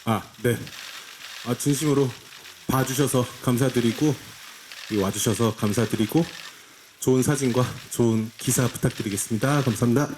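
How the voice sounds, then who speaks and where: A man's voice: medium pitch, normal speed, noisy background. A man, the director, speaking plainly and a little hesitantly at a press event.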